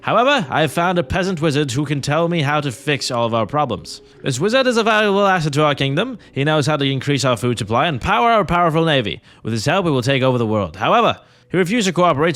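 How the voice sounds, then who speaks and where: A man voicing a pompous male king reading from his journal in a put-on pretentious British accent, declaiming loudly and higher than his usual voice. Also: lively intonation, fast.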